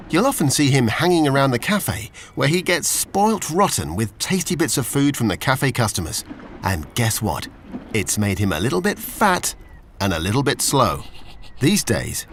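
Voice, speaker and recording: A man's voice: medium pitch, fairly bright tone, slight background noise. A man with a British accent reading a scripted children's story, expressively, as a storyteller to young children.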